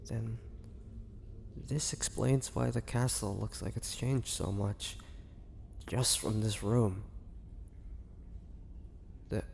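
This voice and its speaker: Slow, gravelly vampire played by a man. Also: on the low side, steady tone, a little mellow, a little hiss or hum. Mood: somber, reflective. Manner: halting, hesitant, measured, with pauses. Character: ancient, trapped male vampire, gentle and wistful. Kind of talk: scripted audio roleplay monologue, intimate.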